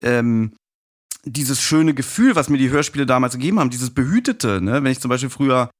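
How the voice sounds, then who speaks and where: A man with an average-pitched voice speaks in a casual, conversational podcast style. He sounds reflective and a little nostalgic, like a guest sharing his thoughts. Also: lively intonation, brisk. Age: adult.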